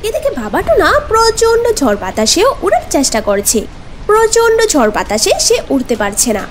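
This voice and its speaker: A woman's voice: extremely high pitch, wildly swooping pitch, normal speed, a little hiss or hum. A woman narrating a scripted cartoon story as the storyteller. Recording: music bed under the voice. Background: background music.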